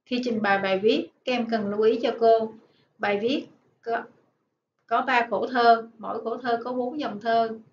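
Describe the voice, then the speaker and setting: High-voiced woman teacher dictating, echoey room. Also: steady tone. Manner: dictating, deliberate, enunciating word by word. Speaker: primary school teacher. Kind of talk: slow dictation-style lesson for children. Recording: echoey room, dull sound, faint noise.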